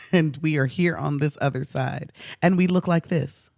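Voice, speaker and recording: A woman's voice: sits low, unhurried, gravelly, darkish tone, dry recording, studio quality. A middle-aged woman co-hosting a talk show, chatting casually in an emphatic, effusive way and drawing out words for stress. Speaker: podcast co-host. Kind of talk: casual chat.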